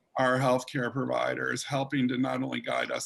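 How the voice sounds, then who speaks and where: A man talks at a fairly quick pace. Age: 60s. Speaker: workshop host, cancer prevention advocate. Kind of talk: interview.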